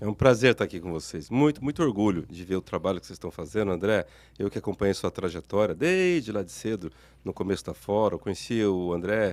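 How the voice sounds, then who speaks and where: A man talks at a very fast pace in a fairly low pitch with ordinary variation. His loudness swings widely. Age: 60s. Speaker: author and leadership speaker. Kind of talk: podcast interview.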